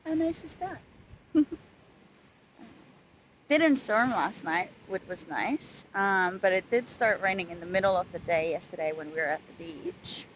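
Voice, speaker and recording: A woman's voice: mid-range voice, measured pace, low-quality recording. Chatty woman vlogging outdoors. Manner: relaxed, chatty, many fillers and restarts. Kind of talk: casual vlog chat to camera. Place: outdoors at a beach campsite. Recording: outdoor noise in background.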